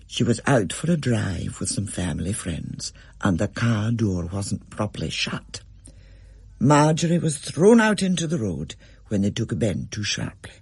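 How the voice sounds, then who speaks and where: Reader as a gentle teacher: husky, quiet, grave. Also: mid-range voice, sing-song, unhurried, dry recording, studio quality, full character voice. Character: grave, gentle woman schoolteacher.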